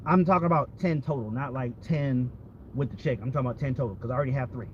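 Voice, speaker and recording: A man's voice: mid-range voice, fast talker. American man rambling candidly, dull lo-fi audio. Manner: candid, profane, repeats himself. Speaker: vlogger. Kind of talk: casual rambling chat. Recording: dull lo-fi audio with background vehicle noise.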